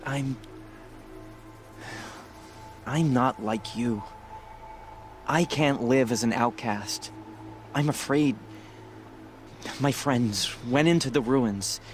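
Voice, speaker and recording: Man acting an anguished, halting tribal hunter. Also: medium pitch, soft background music, natural voice. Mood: fearful, pleading. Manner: halting, breaking off mid-sentence. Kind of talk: dramatic video game dialogue acting.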